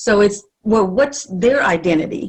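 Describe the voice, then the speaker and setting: A somewhat breathy, medium-pitched woman's voice at a fairly slow pace. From Texas (Laredo, then Dallas), Mexican-American. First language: Spanish. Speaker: community leader. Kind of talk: interview.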